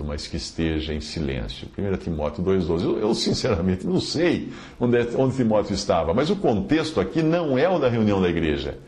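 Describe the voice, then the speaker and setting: Guy on a podcast answering a letter, lowish voice that swings up and down a lot, hammers his points with bible quotes. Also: darkish tone. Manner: emphatic, quotes scripture and chapter references. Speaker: Bible teacher answering a listener. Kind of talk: podcast commentary reading a listener's letter.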